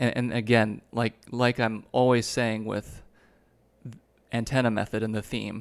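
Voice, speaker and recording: A man with an American accent, medium in pitch, fairly slow and fairly even in intonation, on a very clean recording with a silent background. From Texas, Dallas. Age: 30s. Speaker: podcast host. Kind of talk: solo podcast monologue. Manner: casual, halting with repetitions.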